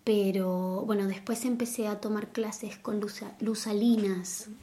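A woman talks about her own experience in a relaxed, chatty way. She often pauses on fillers and keeps a mid-range voice throughout a casual conversation. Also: medium pitch, a little hiss or hum. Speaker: interviewee, dancer.

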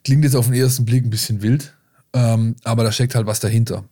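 A man's voice: medium pitch, fairly even intonation, brisk, warm tone. A man with a mid-range voice chats casually about football as a podcast co-host. He explains things in loose, colloquial language, as if thinking aloud. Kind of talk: casual football talk and analysis.

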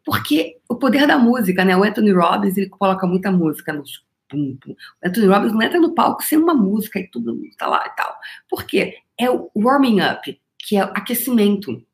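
A woman's voice: medium pitch, sing-song, a little fast. A woman hosting a motivational podcast on energy cleansing. She talks to her listeners in a playful, theatrical way, full of rhetorical questions.

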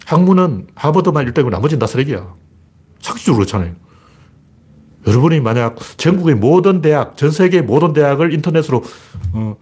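A man talks through a loose commentary monologue, rambling and blunt. His voice is husky, and his pitch jumps around a lot as he lays out sharp opinions with homespun asides. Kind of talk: casual spoken commentary monologue.

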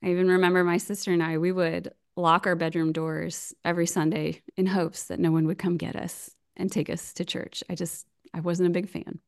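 An American woman in her forties, chatting casually as a podcast guest over a video call, self-deprecating and quick to laugh. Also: on the low side, level tone, clean tone. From United States. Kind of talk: casual remote interview chat.

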